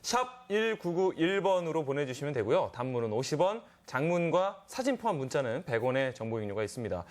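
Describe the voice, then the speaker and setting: A man's voice: fairly high pitch, sing-song, brisk, few pauses. A man co-hosting a live TV studio show, friendly and affirming with short replies. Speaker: TV show co-host.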